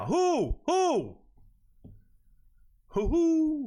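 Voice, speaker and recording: Using a put-on character voice, a man pitches it extremely high. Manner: hooting.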